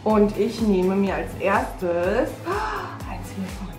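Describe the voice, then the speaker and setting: A woman's voice: mid-range voice, fairly even intonation, takes it slowly, over music. A woman in her thirties chatting casually to the camera and her child as a family vlog host.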